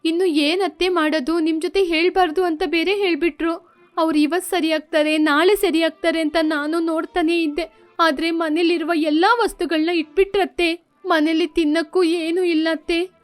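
A woman's voice: very high voice, steady tone, normal speed. A woman voicing a desperate young wife who pleads plaintively to her mother-in-law. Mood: pleading.

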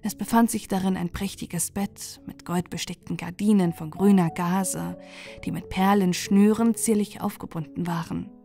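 A woman reads a fairy tale aloud in a soft, gentle, unhurried way, meant for bedtime. Her tone is warm and mellow at a middle pitch. Quiet music lingers in the background. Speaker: audiobook narrator. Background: faint music.

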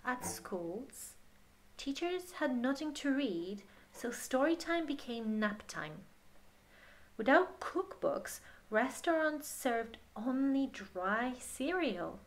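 A woman storyteller narrating a children's storybook expressively and deliberately, letting phrase endings drop to a hush and speaking directly to young listeners. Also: a little high, very animated.

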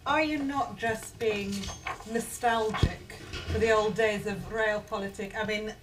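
Female panel chair, polite and probing, halting delivery, mid-range voice. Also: medium pitch, steady tone, noisy background. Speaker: debate chair. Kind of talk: moderating a panel. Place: conference hall.

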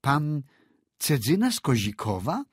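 A man's voice: fairly high pitch, wildly swooping pitch, measured pace, breathy edge, dry recording, studio quality, pitched above the performer's own voice, exaggerated voice. A man voicing a blustering young squire. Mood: mocking. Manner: bluster, bargaining, mocking laughs. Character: boastful young male landowner, haggling.

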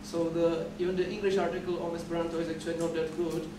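Man lecturing in an echoey hall. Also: fairly high pitch. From Czech Republic. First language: Czech. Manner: halting, repeats words and restarts, steady explaining. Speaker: conference speaker. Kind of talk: conference presentation. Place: dim lecture hall, at a podium. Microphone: podium mic, recorded from a far camera. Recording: echoey hall recorded from far off, noisy.

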